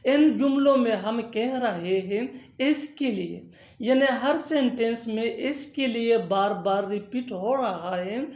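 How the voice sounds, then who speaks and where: A woman teaching English grammar in a scripted lesson, saying each English example slowly and then repeating it. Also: fairly high pitch, a little mellow, echoey room, lo-fi sound.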